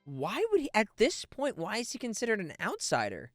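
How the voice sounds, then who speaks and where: Male streamer, lively swings in pitch, casual playful commentary, rambling, faint game music behind. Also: a little fast, dry recording, clean studio sound. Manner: playful, rambling, thinking aloud. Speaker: streamer, voice actor.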